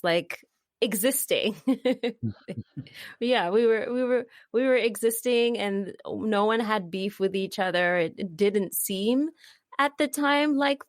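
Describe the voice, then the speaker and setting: A woman's voice: medium pitch, no echo, clean studio sound. A teenage woman hosting a podcast, chatty and upbeat in casual conversation, saying "like" often. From Zimbabwe, raised in London and Beijing. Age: teens. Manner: chatty and upbeat, uses "like" a lot. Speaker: podcast host.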